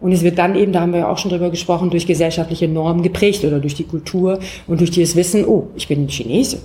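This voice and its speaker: A woman's voice: on the low side, fairly even intonation, quick pace, dark tone. A woman, a qigong teacher, explaining her method as a guest in an interview, with many filler sounds. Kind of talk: interview over distance.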